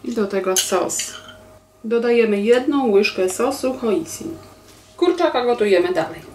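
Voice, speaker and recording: A woman in her forties hosting a cooking channel, calmly explaining a recipe step by step and politely addressing her viewers from a home kitchen. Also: fairly high pitch, measured pace, slight background noise. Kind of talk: recipe instructions. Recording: roomy kitchen echo, voice a bit distant.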